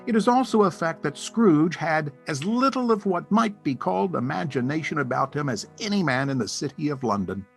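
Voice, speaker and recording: A man narrating a scripted story for an audio drama in a theatrical, deliberate storytelling manner. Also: fairly high pitch, vocal fry.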